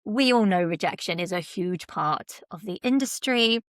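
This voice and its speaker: A woman's voice: mid-range voice, lively intonation, moderate pace, no echo. Interview host, female. Mid-range voice, dry room-free sound, reflective and affirming conversational delivery. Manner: affirming, reflective, relates advice to herself. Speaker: podcast host, drama coach.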